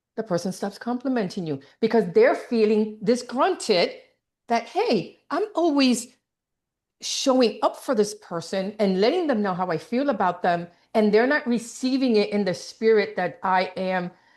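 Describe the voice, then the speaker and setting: Over a quiet background, a woman with an unremarkable speaking voice talks at a moderate pace, fairly high in pitch, with lively intonation. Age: 60s. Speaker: guest speaker on healing and joy. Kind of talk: interview conversation.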